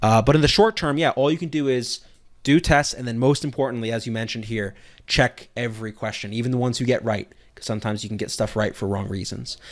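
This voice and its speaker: The recording is very clean with a silent background. The speaker talks at a very fast pace with ordinary pitch variation. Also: man. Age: 30s. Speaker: test prep tutor. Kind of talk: live stream Q&A. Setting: live stream. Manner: casual, conversational with fillers.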